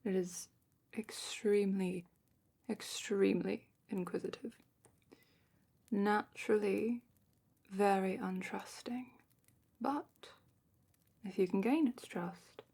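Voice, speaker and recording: A woman playing a gentle, knowledgeable dragon keeper in a fantasy ASMR roleplay, speaking in a hushed, breathy, unhurried way that often drops into a whisper. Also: mid-range voice, fairly even intonation, exaggerated voice. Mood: hushed, informative. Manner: hushed, unhurried, careful explaining.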